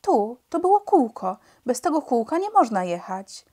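A woman's voice: sits high, very animated, normal speed, darkish tone, voice pushed up. A woman voicing a stubborn, indignant one-eyed legless male pilot in a storybook reading.

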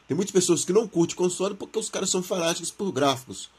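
A Brazilian man runs a gaming channel, reading news and commenting on it in informal, slangy speech. His voice is high and husky and he talks rapid-fire, his throat sore from the flu.

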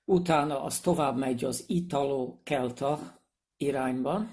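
A man giving a casual explanatory video lesson, speaking hesitantly with pauses, fillers and restarts. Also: medium pitch, darkish tone. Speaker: language presenter.

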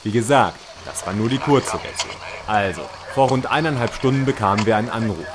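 A man's voice: fairly low pitch, a little fast, background noise, natural voice. A man playing a matter-of-fact, dryly witty police officer in a crime audio drama.

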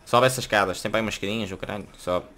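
A young man with a European Portuguese accent, hosting a casual gaming video and yelling and swearing when a fight starts. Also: lowish voice, very fast, a little hiss or hum.

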